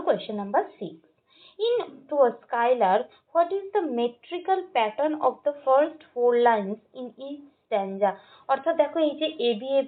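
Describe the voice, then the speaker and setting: A woman teacher going through exam questions, reading each option slowly and explaining patiently. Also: on the high side. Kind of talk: exam-prep lecture. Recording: tinny phone-like sound.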